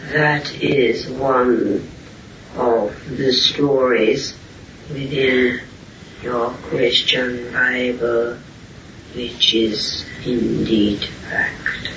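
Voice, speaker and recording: A man speaking as a spiritual teacher, answering questions solemnly and deliberately in halting short phrases. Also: medium pitch, steady tone. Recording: roomy, distant, muffled, hissy amateur recording.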